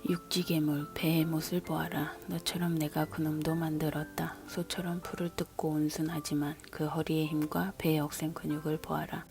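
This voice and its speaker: A woman's voice: sits low, gravelly. A woman reading God's words to a man in an unvoiced whisper, as a whispered scripture reading. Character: almighty God questioning a man. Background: soft background music.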